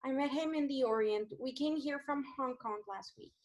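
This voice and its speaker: A woman's voice: high-pitched, moderate pace, close to an everyday voice. A woman playing an anxious, evasive femme fatale in a 1940s-style radio noir, hesitant and theatrical.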